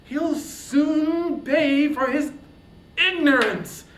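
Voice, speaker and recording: Man performing wrathful warrior hero, passionate, proud, declamatory, slow phrasing, echoing room, epic storytelling. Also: extremely high pitch, a bit bright, voice pushed up, heavily acted. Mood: outraged. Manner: impassioned, declamatory. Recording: roomy echo, faint background noise.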